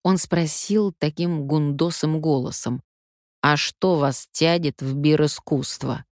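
An older woman from Siberia, a stage actress, telling stories from her own life in a wry, lively anecdotal way. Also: low voice, slow, no echo, clean studio sound. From Omsk, Siberia, Russia. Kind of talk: memoir storytelling.

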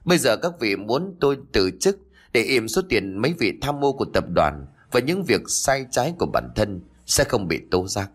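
A man's voice: medium pitch, sing-song, normal speed. A man voicing a confident young company heir who coolly accuses his board in a spoken story. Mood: accusing. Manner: cold, accusing.

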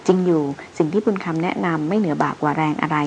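A woman reading the lines of a seasoned male hunter who speaks in a calm, level-headed and skeptical way. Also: deep voice, fast talker, a little hiss or hum. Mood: measured.

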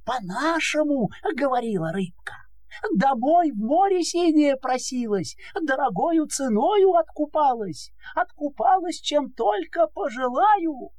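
A man's voice: extremely high pitch, animated, measured pace, a little mellow, no room sound. An actor playing a meek, plaintive old fisherman in a fairy-tale audio play, pleading in a deferential singsong. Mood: wondering. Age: older.

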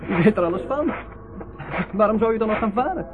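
An actor playing a chatty, reassuring young ship's doctor in a Dutch radio play. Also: male voice, high voice, expressive, fairly quick. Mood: talkative, reassuring. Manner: chatty, reassuring, repeats himself. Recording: noisy narrowband old radio recording.

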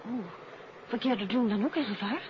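Female actor as sleuth's curious wife, slightly high voice, playful, outspoken, noisy vintage radio-play sound. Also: moderate pace, natural voice. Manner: questioning, playful, direct. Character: detective's wife, inquisitive, teasing, outspoken. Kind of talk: 1950s Dutch radio drama acting. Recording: muffled, noisy 1950s radio recording.

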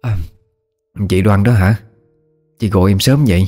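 A man's voice: low-pitched, expressive, mellow, faint music behind. A man voicing a sleepy woman friend answering an early phone call, speaking in a drowsy way. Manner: drowsy, unhurried.

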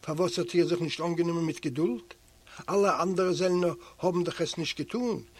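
A man's voice: on the high side, fairly quick. A man reading aloud voices an anguished prisoner who pleads and reproaches in a raised voice. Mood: pleading.

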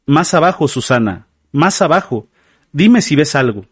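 A man's voice: on the high side, sing-song, unhurried, breathy edge, no echo, clean studio sound, heavily acted. A man voicing a stern father in an audiobook, giving insistent, commanding orders. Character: stern insistent father urging his daughter.

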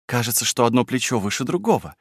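A chattering, flighty young society wife, excitable and bossy, her voice jumping up high on eager questions, as a male reader puts her on. She sounds dry and close, with no room around her. The pitch sits in a middle range. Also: fast talker, breathy edge, dry recording.

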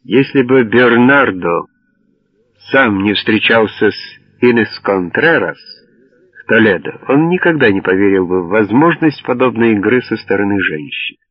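A man reading a novel aloud as an audiobook narrator, in a measured, even way. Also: lowish voice, slightly rough, no echo. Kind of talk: scripted narration. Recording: dull lo-fi dry audio.

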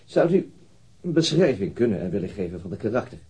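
An actor playing a police detective in a radio drama, asking probing questions in a formal, hesitant, husky manner. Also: male voice, lowish voice, big pitch swings, quick pace, a little mellow, heavily acted. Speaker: police interrogator. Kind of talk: radio drama interrogation acting.

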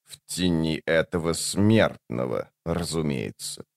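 A trembling monster of death. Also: male voice, lively intonation, creaky, no room sound, studio quality, full character voice. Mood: sardonic. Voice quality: trembling, slow and low. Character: creaky decrepit death-servant monster, sardonic, sluggish.

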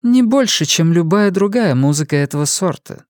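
A stern older mother with a prim, scolding voice, pitched up high, put on by a male narrator. She speaks crisply and sharply in an audiobook reading. The recording is close and dry. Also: expressive, normal speed, dry recording. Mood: disapproving. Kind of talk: audiobook character voice.

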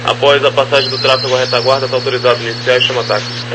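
A man's voice: mid-range voice, flat delivery, rapid-fire. A man working as an air traffic controller, giving clipped procedural instructions in a crackly military-style radio manner. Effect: radio transmission. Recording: crackly, noisy aviation radio with hum.

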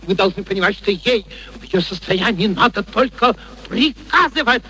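High-pitched, domineering eccentric professor. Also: male voice, animated, moderate pace, sharp tone, slightly rough, exaggerated voice. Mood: commanding, grandiose. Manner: imperious, theatrical, cajoling. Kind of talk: vintage radio play acting. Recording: old radio recording with faint noise.

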